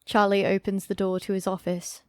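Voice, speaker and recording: A woman's voice: mid-range voice, little pitch movement, normal speed, a little mellow, no room sound, lightly acted. Woman as a matter-of-fact narrator, dry sound. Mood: neutral. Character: neutral female scene narrator reading stage directions. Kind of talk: scripted narration.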